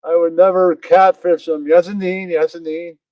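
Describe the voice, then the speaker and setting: A man's voice: sits high, little pitch movement, normal speed, no room sound, highs cut off, lightly acted. A man voicing a smug, boastful puppet creep who repeats himself with self-satisfaction in a puppet show.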